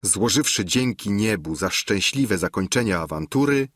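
Man narrating an audiobook, breathy tone. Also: fairly low pitch, animated, moderate pace, a bit bright, no room sound, clean studio sound.

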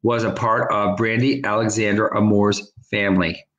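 A man's voice: fairly low pitch, steady tone, a bit bright, dull audio. A man co-hosting a charity livestream from home over a video call, chatting and calling auction bids over and over. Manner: chatty, rapid repetitive bid calling. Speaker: co-host, charity auction caller. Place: home room. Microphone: webcam on a video call. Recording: roomy echo.

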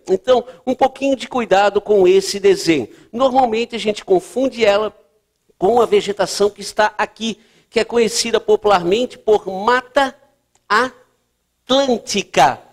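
A man teaching geography for a test-prep course, explaining at a board and checking in often with his students. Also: high-pitched. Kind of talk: lecture at a board.

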